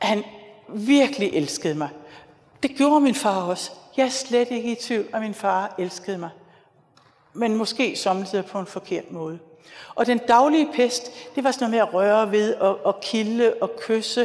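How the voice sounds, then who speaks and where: Lively intonation marks this woman's fairly high voice. She talks at a fairly slow pace with long, frequent pauses. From Denmark, north of Copenhagen. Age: 60s. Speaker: speaker on abuse survivor experience. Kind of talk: lecture. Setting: church.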